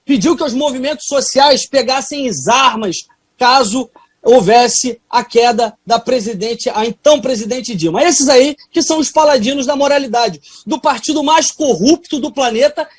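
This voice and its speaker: A woman's voice: fairly high pitch, breathy edge, dry recording. A Brazilian Portuguese-speaking woman, a legislator, giving a combative, emphatic speech in a parliamentary session.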